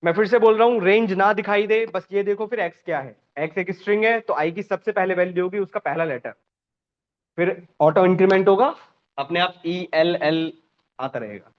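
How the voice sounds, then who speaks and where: A man teaching a programming class, questioning students and repeating points slowly. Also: high-pitched. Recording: dull lo-fi sound.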